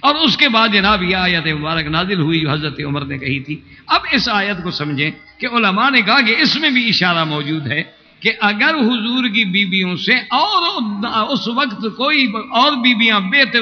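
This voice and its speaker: Man preaching, high voice, storytelling with chanted verses, muffled recording, long reverb. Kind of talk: sermon. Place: mosque hall.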